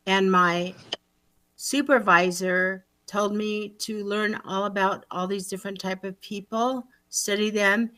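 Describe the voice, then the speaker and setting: A woman's voice: medium pitch, bright, forceful tone, dry recording. A woman improvising an earnest group facilitator on a reality show who is blunt and insistent about making money. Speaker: improv performer. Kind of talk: improvised comedy scene.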